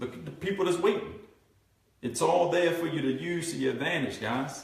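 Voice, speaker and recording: With audible room echo around him, a man speaks at a fairly high pitch with ordinary pitch variation. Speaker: sales team trainer. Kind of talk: training session. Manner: projects voice, confident; animated.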